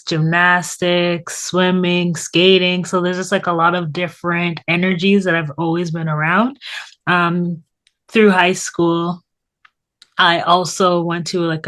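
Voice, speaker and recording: A thirty-year-old woman from Canada with a Canadian accent, chatting casually as a guest in an informal, meandering way. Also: lowish voice. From Toronto, Canada. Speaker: interview guest. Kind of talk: casual chat.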